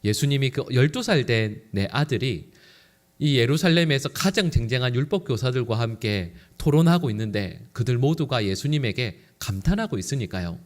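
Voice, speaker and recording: Male pastor, Sunday sermon, lively swinging delivery, constant rhetorical questions to the congregation. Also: mid-range voice, normal speed. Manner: animated, acts out quoted lines. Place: church sanctuary.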